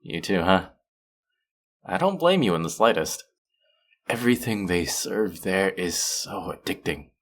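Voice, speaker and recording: A man's voice: low-pitched, animated, a little slow, long pauses, fairly bright tone, full character voice. A man playing a friendly, teasing, slightly bashful young traveler in a casual, intimate one-sided audio roleplay. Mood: friendly, playful.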